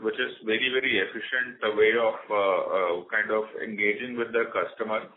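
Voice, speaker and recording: A man, a company executive, answering analysts' questions on an earnings call in a measured way, full of "uh" fillers. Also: lowish voice, fairly even intonation. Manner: measured explaining, many "uh" fillers. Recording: tinny conference-call phone line, faint noise.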